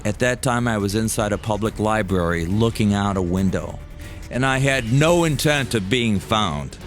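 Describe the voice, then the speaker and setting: A man telling a scripted first-person story as narrator, with deliberate, dramatic phrasing. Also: on the low side, expressive, soft background music.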